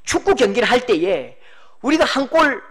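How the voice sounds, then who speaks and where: Animated pastor. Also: male voice, extremely high pitch, normal speed, breathy edge. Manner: animated, acts out quoted voices, shouts for emphasis. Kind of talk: sermon.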